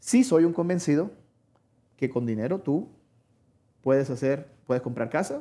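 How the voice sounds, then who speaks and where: A dark, mellow tone moves at a moderate pace with ordinary pitch variation. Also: man. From Colombia, Cartagena. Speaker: former business office director, dentist by training. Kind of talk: interview.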